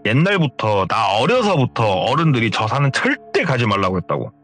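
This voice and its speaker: A man voicing a stern old village man who gruffly and insistently warns others away. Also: mid-range voice, huge pitch swings, fairly quick, a bit bright, soft background music. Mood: grave warning.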